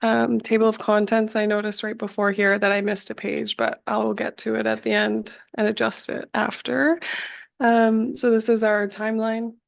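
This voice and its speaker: Woman, sick and hoarse, gravelly, halting with ums, budget presentation at council meeting. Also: fairly high pitch, level tone. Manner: halting, frequent ums, apologetic. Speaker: municipal finance staff presenting budget. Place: council chamber.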